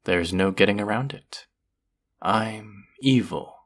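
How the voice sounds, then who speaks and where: Cruel sorcerer played by a man, low gravelly voice, sadistic, theatrical, menacing, fantasy roleplay. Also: fairly bright tone. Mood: cruel, gloating. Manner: theatrical, menacing, drawling with drawn-out words. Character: cruel, powerful evil sorcerer, vain and sadistic. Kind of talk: fantasy audio roleplay, addressing the listener.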